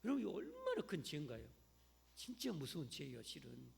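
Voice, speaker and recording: Male pastor, high lively delivery, gravelly edge, reverberant sanctuary. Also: fairly quick. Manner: animated preaching, often addressing the congregation directly. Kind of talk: sermon. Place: church sanctuary. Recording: echoey church hall.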